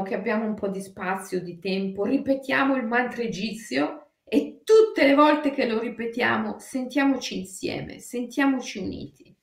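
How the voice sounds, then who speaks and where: A woman teaching a guided spiritual lesson, drawing out chanted syllables slowly and answering viewers by name. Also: a little high, creaky. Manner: slow, drawn-out chanting of syllables. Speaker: meditation teacher. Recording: roomy echo.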